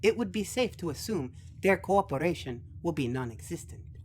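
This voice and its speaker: A man's voice: fairly high pitch, lively intonation, moderate pace, slight background noise, pitched above the performer's own voice, lightly acted. A man voicing an earnest, analytical young male alien in an audio drama, precise and formal in speech.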